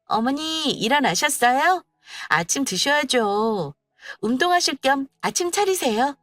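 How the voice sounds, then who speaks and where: A woman's voice: sits high, expressive, measured pace, a bit bright, no room sound, studio quality, pitched above the performer's own voice. A woman voicing a young daughter-in-law whose overly sweet, mock-polite talk carries sarcasm. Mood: teasing.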